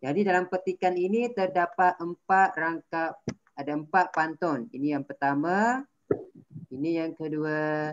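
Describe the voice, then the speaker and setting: Low-voiced Malaysian woman teacher. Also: a little slow, muffled recording. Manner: patient, coaxing, prompts and corrects pupils. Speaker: primary school teacher. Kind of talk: online class lesson.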